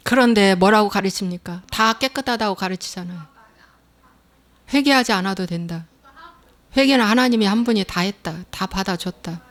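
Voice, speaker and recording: A woman pastor preaching a fervent sermon and prayer, shouting calls for amen and then dropping to soft pleading. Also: medium pitch, normal speed.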